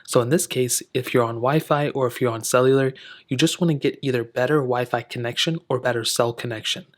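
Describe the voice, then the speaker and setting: A man's voice: mid-range voice, fairly even intonation, a little fast. A man hosting a how-to tech video, explaining steps in an informal, chatty way. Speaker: tech tutorial host. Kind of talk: casual how-to tutorial narration.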